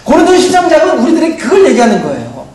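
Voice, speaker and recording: A middle-aged man preaching a sermon as pastor, animated and chuckling often. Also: very high voice, very fast. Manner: animated, acts out quoted voices, chuckles often. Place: church sanctuary. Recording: echoey church hall, distant mic.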